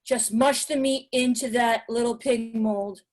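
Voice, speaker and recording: Woman acting sleazy fast-food boss, blunt, bossy, fairly high voice, table read of a film comedy script. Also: steady tone, a little mellow, close to an everyday voice. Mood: brisk, bossy. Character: gruff sleazy male burger-joint boss barking orders. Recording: online video call table read.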